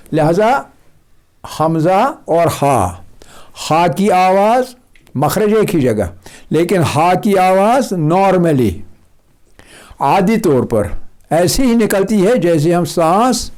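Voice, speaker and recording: A man gives a patient pronunciation lesson, repeating example words slowly and coaxing students to say them back. His pitch sits a little high and moves a lot. The tone is dark and mellow. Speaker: teacher.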